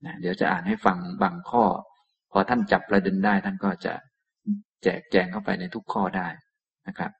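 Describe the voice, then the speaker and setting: Gravelly low-voiced man giving a Dharma talk. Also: very animated, dull audio. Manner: unhurried, repeats phrases for emphasis. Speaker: Buddhist teacher.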